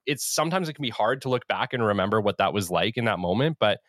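A male podcast host with a fairly low voice, chatting in a relaxed, encouraging way. His speech sounds dry and close to the mic, with no room around it. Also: quick pace, no room sound. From Western Canada. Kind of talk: casual interview chat.

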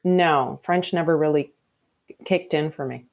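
A woman in her fifties, born and raised in Canada, whose first language is Hungarian, talking in a deep, low register. She is the guest in a podcast-style interview and tells her story in a frank, chatty way, piling on asides as she goes. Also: a little slow. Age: 50s. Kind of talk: candid conversational interview.

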